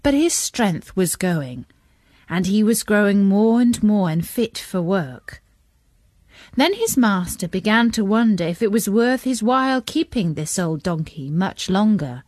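A woman reading a children's story as narrator, expressive and measured. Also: mid-range voice, no room sound, clean studio sound.

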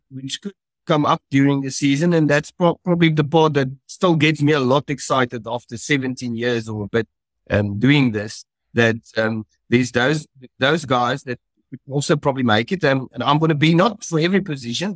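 Rambling rugby pundit. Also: male voice, mid-range voice, moderate pace, dry recording. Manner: rambling, hesitant. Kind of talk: podcast discussion.

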